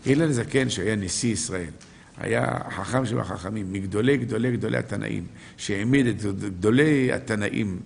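A man's voice: fairly low pitch, vocal fry, slight background noise. A man, a rabbi, giving a live sermon, posing rhetorical questions to his listeners and answering them, quoting verses and sages.

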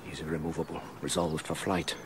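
A man's voice: extremely low pitch, little pitch movement, noisy background. An actor playing a loyal, earnest male courtier who counsels a prince in a radio drama. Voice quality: earnest, persuasive, measured. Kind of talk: classic radio drama acting.

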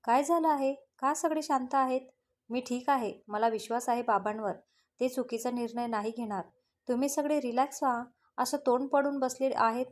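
A woman's voice: high-pitched, steady tone, normal speed, natural voice. A woman voicing a proud, stubborn young female doctor who answers back sharply. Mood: reassuring. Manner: sharp, indignant retorts.

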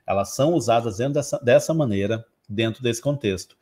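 A man from Brazil gives an online English lesson with a slightly husky voice. He explains patiently and says each practice phrase slowly, more than once, so students can repeat it. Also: mid-range voice, dark tone. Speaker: English teacher.

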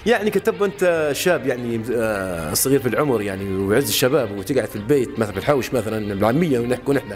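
A man in his late thirties with a Libyan Arabic accent, answering interview questions outdoors into a handheld mic, halting with many fillers and restarts. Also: mid-range voice, expressive, soft background music. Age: late 30s. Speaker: interviewee, honey trader. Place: outdoors by a wall. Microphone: handheld mic held by interviewer.

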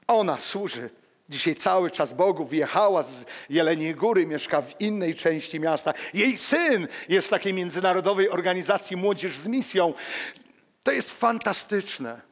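Older male pastor, animated storyteller in the pulpit, a bit high-voiced, headset mic, church reverb. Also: moderate pace. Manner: animated, walks among the pews, acts out quotes. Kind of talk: lively sermon with personal stories. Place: church hall.

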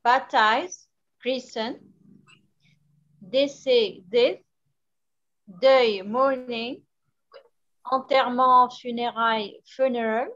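A woman student reciting English vocabulary in an online class, slowly and hesitantly, over call audio. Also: a little high, steady tone, fairly bright tone, highs cut off. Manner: slow, hesitant listing of words.

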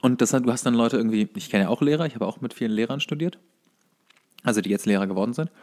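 Young man, casual podcast chat, medium-pitched voice, colloquial, opinionated. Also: fast, darkish tone. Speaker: podcast co-host and workshop teacher.

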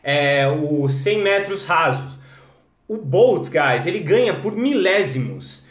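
Energetic man, bilingual live lesson, echoey. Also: fairly high pitch, slow. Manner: energetic, mixes English and Portuguese, greets viewers by name. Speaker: English teacher. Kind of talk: live-streamed English lesson.

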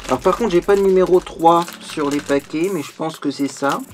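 A man's voice: on the high side, moderate pace, music in the background. A man, a beauty youtuber, chatting casually and animatedly while unboxing a parcel, full of fillers.

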